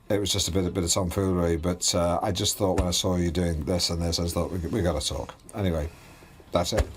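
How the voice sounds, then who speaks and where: A self-important, middle-aged local radio host. He rambles and stumbles into awkward remarks, pompous from start to finish. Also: fairly low pitch. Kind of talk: local radio show hosting.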